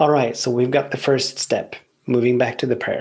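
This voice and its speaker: Somewhat breathy and flat in a monotone, a man speaks with a Swedish accent. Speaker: spiritual podcast host. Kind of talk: spiritual teaching monologue. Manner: halting, with frequent self-corrections.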